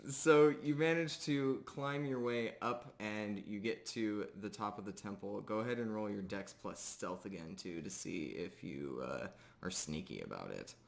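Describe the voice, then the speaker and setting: A man's voice: on the low side, a little slow, gravelly, hardly any pauses. A man improvising narration as game master of a tabletop game, describing scenes in short, hesitant pieces.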